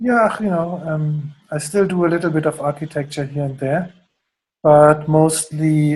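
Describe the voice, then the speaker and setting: A man speaks at a moderate pace with fairly even intonation. His voice is somewhat breathy. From Germany. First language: German. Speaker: orgonite maker, former architect. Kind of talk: interview. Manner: hesitant, many fillers.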